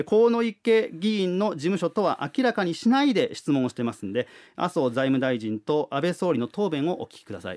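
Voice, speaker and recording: Against a quiet background, a man speaks at a high pitch and a fairly quick pace, with very wide pitch swings and hardly any pauses. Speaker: radio announcer. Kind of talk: news report. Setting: radio studio. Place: studio.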